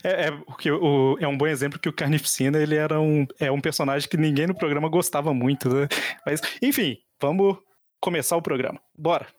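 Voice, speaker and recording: A man's voice: fairly high pitch, fairly quick. Chatty podcast host, man. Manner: chatty, explains with lots of fillers. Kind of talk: casual podcast chat.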